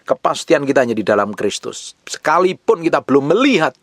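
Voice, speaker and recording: A man's voice: on the high side, big pitch swings, fairly quick, dry recording, studio quality. A man preaching a sermon to a congregation, addressing them directly and repeating phrases for emphasis. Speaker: pastor.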